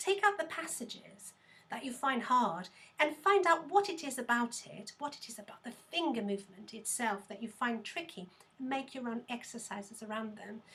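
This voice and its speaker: A woman speaks at a moderate pace with a high pitch. Her pitch swings very widely and her loudness swings a lot. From Portugal. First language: Portuguese. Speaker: baroque flute teacher. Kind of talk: masterclass answering questions. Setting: video call webinar.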